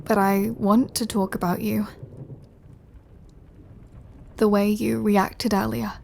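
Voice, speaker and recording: A woman playing a remorseful, lovesick female vampire in an intimate audio roleplay, speaking in a hesitant, confessional way that often softens toward a whisper. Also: medium pitch, little pitch movement, slight background noise. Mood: apologetic, earnest. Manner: hesitant, halting, confessional, with soft breathy drops. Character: remorseful, lovesick female vampire craving her lover's blood.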